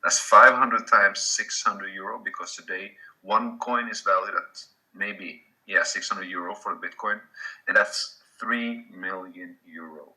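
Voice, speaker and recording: A man with a Swedish accent, a native Swedish speaker, giving a casual slide presentation with halting restarts. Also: sits low, sharp tone, rough recording. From Sweden.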